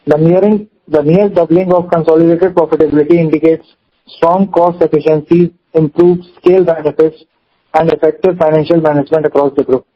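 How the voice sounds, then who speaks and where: A man's voice: on the high side, steady tone, fairly quick. A man with an Indian accent formally reading out scripted financial results as a company executive on an earnings call. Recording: dull, lo-fi conference call audio.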